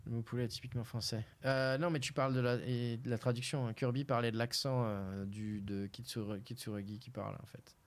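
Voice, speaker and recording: Casual French streamer. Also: male voice, medium pitch, level tone, fairly quick, hardly any pauses. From France. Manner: casual, hesitant, lots of fillers. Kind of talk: reading a game aloud and chatting live.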